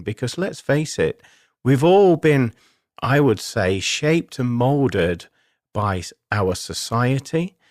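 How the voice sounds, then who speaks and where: Guy doing a spiritual radio show, medium pitch, measured explaining w pauses, close dry mic. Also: dry recording. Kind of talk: spiritual self-help radio monologue.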